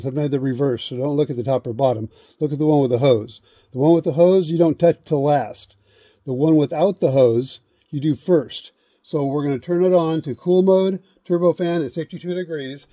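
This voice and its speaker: Middle-aged male instructor, deep-toned and dry, walks through steps outdoors, keeps checking "okay?". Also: mellow, no echo. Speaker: HVAC instructor. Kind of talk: hands-on how-to demonstration. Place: outdoors beside an air conditioner unit. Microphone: camera held close, point of view.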